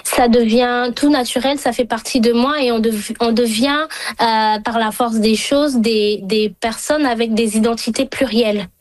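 A middle-aged woman from Congo, a singer-songwriter answering interview questions thoughtfully, pausing often to find her words. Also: a little high, fairly even intonation, no echo. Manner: thoughtful, searching for words with many pauses.

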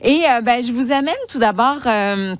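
A woman's voice: on the high side, normal speed. A middle-aged woman with a Quebec French accent, a wine columnist chatting on a radio show, explaining with plenty of fillers. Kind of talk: radio chat segment.

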